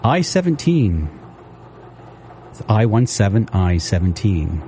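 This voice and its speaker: A man calling bingo numbers on local radio, repeating each one slowly and steadily. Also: fairly low pitch, big pitch swings, mellow, a little hiss or hum.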